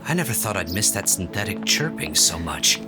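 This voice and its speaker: A man's voice: lowish voice, sing-song, brisk, loud music behind the voice. A man playing a protective, frank companion in an audio drama, earnest and familiar. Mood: relieved.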